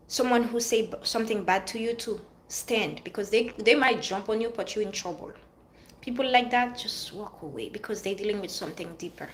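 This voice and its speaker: A woman with a Haitian-French accent, giving an earnest motivational talk to viewers and repeating her phrases for emphasis. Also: a little high. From Haiti or France. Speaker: vlogger giving life advice. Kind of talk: motivational monologue.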